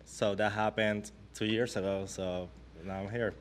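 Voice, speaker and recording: A man from Rico, a bass player chatting in an interview in an easygoing way with many pauses and fillers. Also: fairly even intonation, slight background noise. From Puerto Rico. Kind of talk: casual interview chat.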